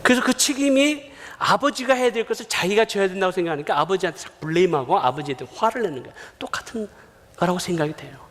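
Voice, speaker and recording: A middle-aged man preaching a sermon as a missionary, telling family stories and acting out the dialogue with lively swings. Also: high-pitched, quick pace. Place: church sanctuary. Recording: long hall reverb.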